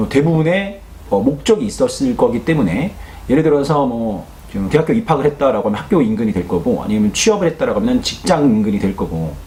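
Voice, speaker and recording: Delivered at a very fast pace, the speech has very wide pitch swings over noticeable background noise. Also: man, fairly high pitch for a man. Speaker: real estate YouTuber. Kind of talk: informational talk to camera. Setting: home studio with lighting.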